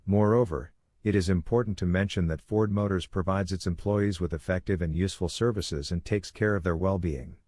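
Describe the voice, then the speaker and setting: A man's voice: low-pitched, fairly quick, a little mellow, no room sound. A man reading a scripted passage aloud for exam practice.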